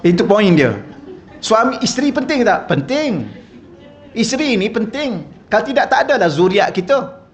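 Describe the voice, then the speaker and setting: A man's voice: sits high, sing-song, normal speed. A man with a Malaysian Malay accent giving a humorous, conversational religious lecture in a mosque hall, often asking the audience questions. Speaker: religious teacher. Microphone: wireless microphone.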